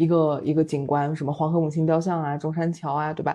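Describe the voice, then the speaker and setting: Behind the voice, the background stays quiet. The talking runs at a fairly quick pace. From Lanzhou, Gansu, northwest China. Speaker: podcast co-host. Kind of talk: casual chat.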